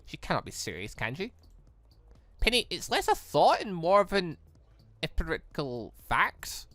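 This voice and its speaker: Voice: medium pitch, wildly swooping pitch, a little slow, fairly bright tone, no echo. A performer voicing an easygoing, wry young man who narrates a visual novel in the first person.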